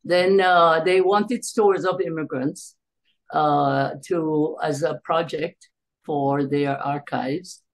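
Older female interview guest, low-pitched with vocal fry, hesitant recollection over a home video call. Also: fairly even intonation, takes it slowly. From Jamaica. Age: older, around 70s. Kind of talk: interview recollection of family history. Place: small bright room at home, indoors. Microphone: computer mic on a video call.

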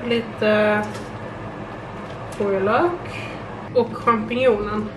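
A young woman in her twenties chatting casually as she cooks, explaining each step with plenty of fillers. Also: fairly high pitch. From Sweden. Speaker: vlogger. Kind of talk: casual cooking vlog. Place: small home kitchen indoors. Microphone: camera on the counter a little way off. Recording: echoey kitchen, camera mic from a distance, audible noise.

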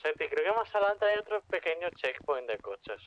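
A man's voice: fairly high pitch, sing-song, brisk. Man on a muffled radio. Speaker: teammate in online game. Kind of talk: in-character radio chat in game roleplay. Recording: band-limited radio line with tones.

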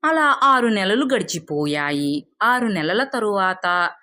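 A woman's voice: mid-range voice, very animated, slow pace, sharp tone. A woman narrating a scripted moral folk tale as a storyteller.

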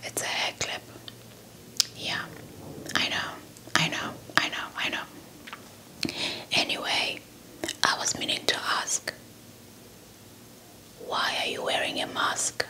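A young adult woman from South Africa telling a folktale as ASMR in a breathy whisper, repeating words and phrases close to the microphone. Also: takes it slowly, long pauses, sharp tone, poor audio. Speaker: ASMR storyteller. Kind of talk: whispered ASMR folktale storytelling with playful roleplay. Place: small indoor setup before a cloth backdrop. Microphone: handheld microphone with fluffy windscreen, held close.

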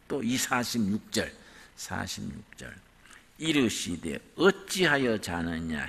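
A man preaching a sermon in a church, animated and dramatic, swinging his pitch widely as he acts out prayers. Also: husky. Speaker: pastor. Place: church sanctuary. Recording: long hall reverb.

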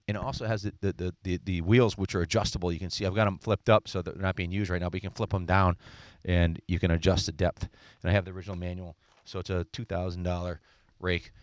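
A man's voice: on the low side, dry recording. Rambling man on a handheld mic outdoors. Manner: rambling, many fillers and restarts. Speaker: seller presenting equipment. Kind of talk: casual walkaround sales pitch. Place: outdoors on a lawn.

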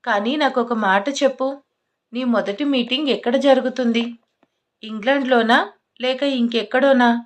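A woman voicing a caring young wife, gentle and concerned, in an audio story. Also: fairly high pitch, fairly even intonation, normal speed, natural voice.

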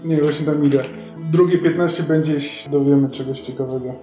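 A man's voice: a little high, steady tone, fairly quick, mellow. A man playing a tabletop role-playing game, improvising casually. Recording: roomy, faint music behind.

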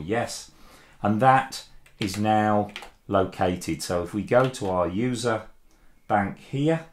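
A man in his fifties talks through a keyboard tutorial in an easygoing, unhurried way, dotted with ums and uhs. His voice sits on the low side. The sound carries a noticeable room echo from a home office recorded at table distance. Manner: easygoing, plain-spoken, frequent "um" and "uh". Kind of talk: relaxed step-by-step tutorial. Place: home studio office with desk and plants, indoors. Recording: echoey room.

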